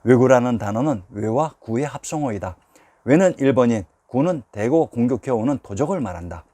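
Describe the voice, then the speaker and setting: A man narrating a scripted history lecture at a measured pace, putting rhetorical questions to the viewers. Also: medium pitch, expressive, mellow, dry recording.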